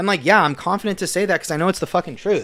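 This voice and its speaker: A man shouts loudly in an animated tone on a very clean recording with a silent background. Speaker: business coach for music coaches. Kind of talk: direct-to-camera coaching rant. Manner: loud, near yelling; animated, fast with stumbles.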